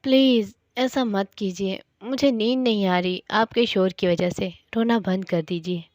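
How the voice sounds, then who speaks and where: A woman voicing an obsessive, possessive young man who talks calmly and stubbornly in a read-aloud story. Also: mid-range voice, a little slow, dry recording, clean studio sound, lightly acted.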